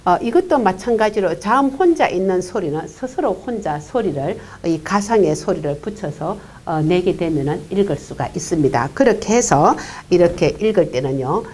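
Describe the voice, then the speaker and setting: Low, lively-voiced woman teaching pronunciation. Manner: unhurried explaining with frequent "uh" fillers; quietly voices single consonant sounds. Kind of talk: classroom-style pronunciation lecture.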